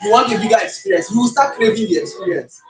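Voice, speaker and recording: A man's voice: high-pitched, fast talker. A man coaching a live public speaking workshop, repeating phrases and hyping up his audience. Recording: echoey room with faint music.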